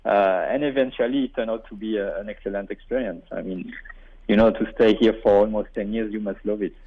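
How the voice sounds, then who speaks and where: A man's voice: lowish voice, fairly even intonation, fairly quick, slightly rough. A man in his forties with a French-speaking Belgian accent, born in Burundi and a native French speaker, chatting as a radio guest and often repeating words while he searches for them. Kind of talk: radio interview. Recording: phone line.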